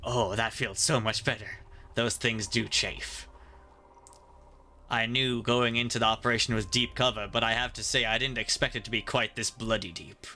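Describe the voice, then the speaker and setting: A man's voice: mid-range voice, fairly even intonation, moderate pace, pushed and bright. A man voicing a weary, ancient male spy director, delivering a dry, exasperated monologue.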